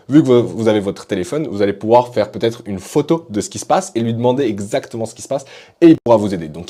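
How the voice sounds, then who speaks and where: Fast-talking enthusiastic man demoing apps. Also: mid-range voice, dark tone. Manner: enthusiastic, casual. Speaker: tech YouTuber. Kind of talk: app tutorial.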